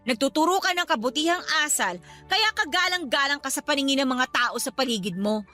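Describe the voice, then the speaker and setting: A bitter younger sister. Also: female voice, high voice, lively intonation, brisk, pushed and bright, faint music behind. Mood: sarcastic. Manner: bitter, cutting. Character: hurt younger sister standing up to her elder. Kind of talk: Tagalog radio drama acting.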